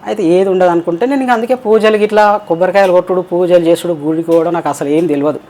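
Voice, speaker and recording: A transgender guest with a Telangana Telugu accent speaks in a racing, slightly mellow medium-pitched voice. The talk is casual storytelling: long, meandering personal tales with quoted voices acted out.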